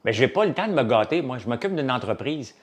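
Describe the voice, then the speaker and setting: Speaking fast in a sing-song, mid-range voice, a Québécois French-accented man who farms and runs a business chats casually with a live audience. He rambles from one topic to the next, using lots of fillers.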